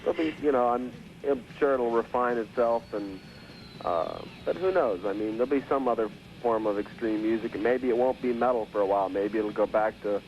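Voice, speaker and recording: A record producer calling in by phone, speaking casually and hesitantly with many fillers, heard from a worn tape copy. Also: male voice, mid-range voice, a little fast. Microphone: telephone. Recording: dull phone line on worn tape with hiss.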